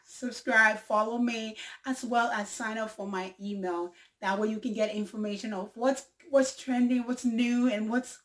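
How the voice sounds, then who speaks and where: A woman's voice: mid-range voice, fairly bright tone. A young woman from Liberia, hosting her own vlog in a casual, upbeat way, repeating herself and using many fillers. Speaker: vlog host and singer. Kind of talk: casual talk to camera. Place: Canada.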